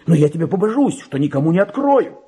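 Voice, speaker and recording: An actor playing an excitable, self-important, paranoid petty clerk in a theatrical radio monologue, with a husky voice and volatile delivery that swings between confiding and outbursts. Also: male voice, on the high side, fast. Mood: conspiratorial coaxing. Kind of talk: dramatic monologue reading in a radio play.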